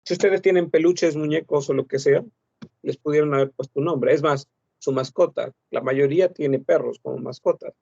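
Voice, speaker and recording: A man with a slightly higher, gravelly voice teaches a French class, explaining step by step and correcting himself as he goes. He asks his students rhetorical questions. The sound is dry and a little dull, like a basic computer microphone. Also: normal speed, a little mellow, dry recording. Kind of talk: online language class.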